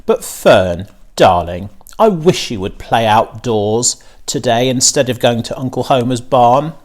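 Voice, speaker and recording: A worried storybook mother, as a male reader puts her on. She is stern and exasperated yet caring, stretching her words slowly and swinging widely in pitch. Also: animated, natural voice. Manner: admonishing, exasperated but caring.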